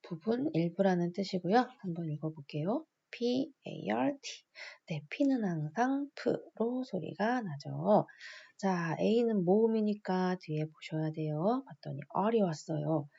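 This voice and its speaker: A patient woman teaching phonics, spelling out each word and going over every rule twice. Her voice sits low and mellow, with a gravelly, husky grain. The recording sounds slightly dull and lo-fi. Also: lively intonation, takes it slowly. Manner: patient, repeats each rule and asks the viewer small questions. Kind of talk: spelling out words step by step for adult learners.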